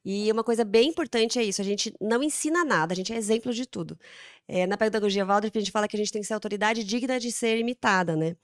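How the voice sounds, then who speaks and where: A woman with a Brazilian Portuguese accent, a podcast guest answering in lively casual talk and acting out talks with her children. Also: mid-range voice, quick pace, dry recording, studio quality. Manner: animated, acts out dialogues with her children.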